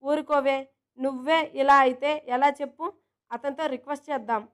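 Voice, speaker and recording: An affectionate, teasing girlfriend, put on by a woman narrator; high voice, fond and coaxing. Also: steady tone, fairly quick, close to an everyday voice. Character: teasing, affectionate young woman friend and coworker.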